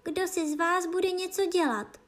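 An outspoken young girl from a storybook, voiced by a woman reading aloud, pitched high and childlike. She talks back boldly and defiantly. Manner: defiant, lively.

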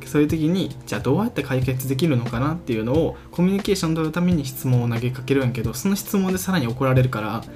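A man's voice: mid-range voice, expressive, very fast, few pauses, darkish tone, soft background music. A young man with a Kansai accent co-hosting a casual chat podcast, laughing often and asking probing questions. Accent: Kansai Japanese. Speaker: podcast co-host.

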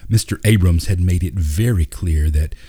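A man with a husky voice narrating a scripted story as a storyteller. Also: low voice, moderate pace, dark tone.

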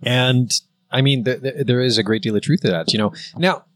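A man's voice: medium pitch, brisk, no echo. A Canadian man co-hosting a podcast in casual chat, rambling with lots of fillers and restarts. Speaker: podcast co-host.

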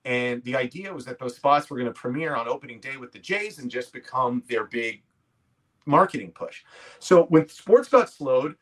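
A Canadian man in his forties chats as a guest, with a voice of ordinary middle pitch. He tells his stories casually and loosely, poking fun at himself as he goes. It has the easy flow of a conversational interview. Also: moderate pace, fairly bright tone. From Quebec, Canada. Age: 40s. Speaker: podcast guest, comedy actor and writer.

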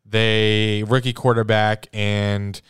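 A man's voice: on the low side, level tone, slow pace, fairly bright tone, clean tone, no room sound, clean studio sound. A man co-hosting a casual sports podcast, rambling and incredulous, often trailing off mid-thought. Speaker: podcast co-host.

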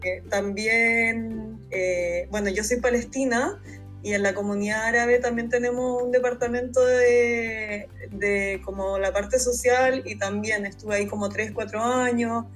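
A young Chilean woman tells her own story in a casual interview. Her voice is somewhat high and her speech is informal and conversational. There is light music in the recording. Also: steady tone, measured pace. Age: 20s. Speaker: podcast guest, speech therapist.

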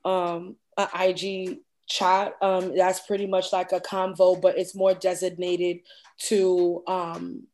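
A woman's voice: fairly low pitch, flat delivery, slow, darkish tone. An American woman chatting as a podcast guest, full of fillers and "you understand?" tags. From United States. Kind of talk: casual conversation.

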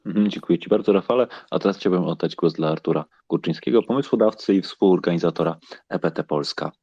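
A deep-voiced man with a husky tone, hosting a discussion and passing the floor to speakers. The recording is dry and somewhat muffled. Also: fast talker, darkish tone, no echo. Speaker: moderator, host. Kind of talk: handing over to speakers. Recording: dull, lo-fi dry audio.

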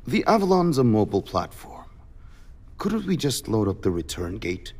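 An actor playing a practical, urgent spaceship captain in a science fiction audio drama, blunt and pressing. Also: male voice, fairly low pitch, big pitch swings, moderate pace, a little mellow. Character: practical, urgent male freighter-fleet captain seeking a way out. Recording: long echo of a hall.

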